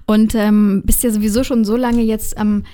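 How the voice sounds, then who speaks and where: A woman hosts a radio interview with an easy, chatty manner. Her voice is mellow and warm, and her sentences are loose and full of fillers. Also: medium pitch, little pitch movement, normal speed. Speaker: radio host.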